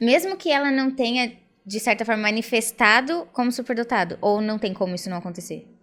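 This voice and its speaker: Her pitch is fairly high and her intonation lively. The woman speaks at a fairly quick pace. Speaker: talk show host and mentor. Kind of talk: interview conversation.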